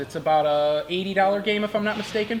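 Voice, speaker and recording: Loud and very fast, a man talks at a high pitch with ordinary pitch variation against noticeable background noise. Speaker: game collector. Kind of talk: anecdote.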